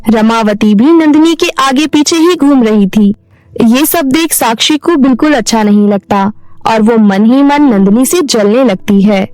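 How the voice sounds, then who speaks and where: A woman's voice: on the high side, a little slow, a little mellow, dry recording, low-quality recording. A woman reading a scripted children's story as its narrator.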